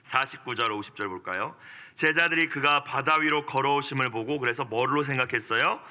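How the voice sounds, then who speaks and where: A male pastor giving an early-morning sermon, moving between soft, quiet asides and pleading, forceful outbursts. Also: mid-range voice, fairly quick.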